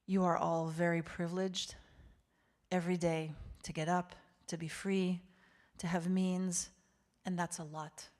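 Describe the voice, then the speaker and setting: A fairly low-voiced woman, a native Hebrew speaker, addresses a congregation as a guest speaker. Her delivery is heartfelt and emphatic, and she repeats key phrases to drive them home. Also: level tone, measured pace, a little mellow. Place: speaking live to a synagogue congregation.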